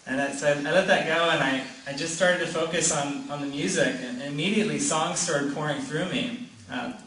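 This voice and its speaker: A man's voice: on the high side, brisk, fairly bright tone. A man casually telling a personal story to a group, rambling, with restarts, lots of "like", and frequent laughs. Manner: rambling, many restarts and fillers, laughs often. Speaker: gathering participant sharing a story. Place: gathering in a room. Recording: echoey room, mic far off, background noise.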